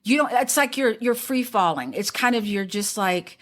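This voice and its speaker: A woman's voice: fairly high pitch, moderate pace. A woman hosting an interview podcast, asking questions and sharing her own veteran experience in a chatty way. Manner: chatty, animated asides and acted-out quotes. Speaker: podcast host. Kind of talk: conversational interview.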